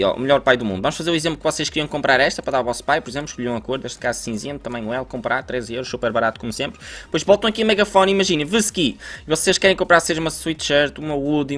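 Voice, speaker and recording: Bright, fast-talking young Portuguese man. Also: medium pitch. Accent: European Portuguese. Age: 20s. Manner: animated, informal, slangy. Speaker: YouTuber presenting merchandise. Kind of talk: casual chat to viewers. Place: small indoor home studio room.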